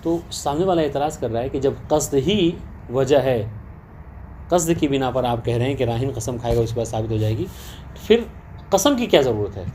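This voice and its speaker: In a teaching session with students present, a man walks through a religious law text, regularly asking rhetorical questions to make sure the class keeps up. His mid-range voice is darkish in tone with lively intonation, and there's a slight hiss or hum.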